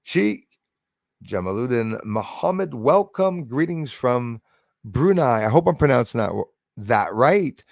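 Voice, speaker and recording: A man's voice: mid-range voice, very animated, measured pace, gravelly, dry recording, studio quality. A man hosting a livestream, talking in a rambling, chummy, conversational way to his viewers. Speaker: livestream host greeting viewers in chat. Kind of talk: casual livestream chat.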